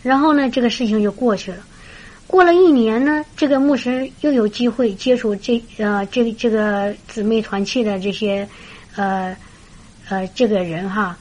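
A woman preaching through a lively story, chatty and full of fillers. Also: mid-range voice, normal speed, poor audio. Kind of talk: storytelling sermon.

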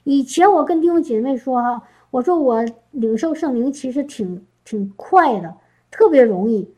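Woman, high and mellow voice, heartfelt church testimony, searching and repetitive. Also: expressive, moderate pace, poor audio. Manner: emotional, repeats words, asks listeners questions. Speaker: church speaker. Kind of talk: testimony sermon.

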